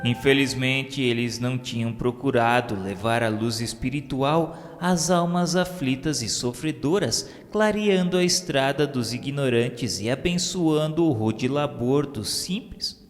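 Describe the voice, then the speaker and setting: A man's voice: mid-range voice, measured pace. A man with a Brazilian accent reads a scripted religious radio novela as narrator, in a solemn, formal manner. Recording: long hall reverb under music. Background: music.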